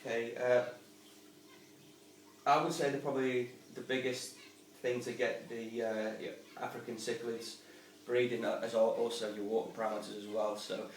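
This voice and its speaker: A man's voice: mid-range voice, little pitch movement, moderate pace, slight background noise. A man casually explaining aquarium fish care in a rambling, informal, chatty way, recorded at home beside a fish tank. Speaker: aquarium hobbyist and channel host. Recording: roomy, distant sound with faint ambience.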